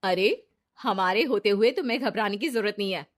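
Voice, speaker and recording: A woman's voice: mid-range voice, fairly quick, close to an everyday voice. A woman voicing a scheming young false friend in a cartoon story, coaxing and persuasive.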